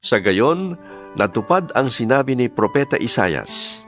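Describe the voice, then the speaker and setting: A man's voice: mid-range voice, big pitch swings, unhurried, a bit bright. A man with a Filipino accent narrating a scripted audio Bible. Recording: music under the voice.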